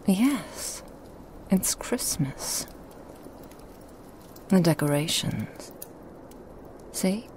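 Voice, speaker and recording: A woman voicing a seductive, sly female Christmas demon in an ASMR roleplay, whispering softly and teasing. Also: lowish voice, lively intonation, drawn-out words, long pauses, slight background noise. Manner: soft whispering, teasing and insinuating.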